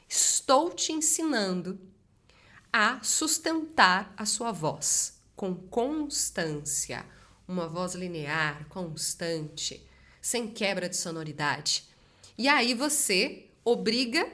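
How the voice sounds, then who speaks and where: Energetic woman coaching voice exercises. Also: mid-range voice. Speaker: speech therapist. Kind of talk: voice exercise lesson.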